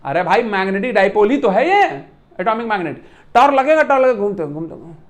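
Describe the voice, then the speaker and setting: Physics lecturer, lively and repetitive, teases the class with analogies and quick check-in questions. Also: medium pitch. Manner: animated, repeats points with rhetorical questions and playful classroom analogies; mixes English technical terms into Hindi speech. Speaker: physics teacher.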